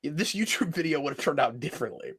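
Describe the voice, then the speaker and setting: Man, high lively voice, bright sharp tone, playful casual commentary. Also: quick pace, slightly rough. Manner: animated, playful, bursts into silly shouted character voices. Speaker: podcast co-host.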